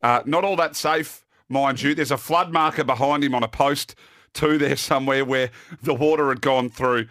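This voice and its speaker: A man's voice: medium pitch, steady tone, moderate pace, fairly bright tone, no room sound, studio quality. A man with an Australian accent hosting a casual sports preview in a jokey, bantering way. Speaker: host.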